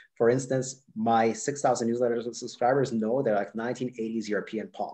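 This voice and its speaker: A man talks in a Canadian accent with a dark, mellow tone. His intonation is monotone and flat. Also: quiet background. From Ontario, Canada. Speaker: personal trainer and author; personal trainer. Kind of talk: interview. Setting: video call. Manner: fast. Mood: light, humorous advice. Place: home room. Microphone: video call.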